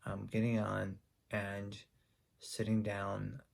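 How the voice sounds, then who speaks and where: Male storyteller, low and flat delivery with a gravelly edge, halting, full of pauses and restarts. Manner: halting, with frequent ums and restarts. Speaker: YouTuber. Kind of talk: personal storytelling to camera.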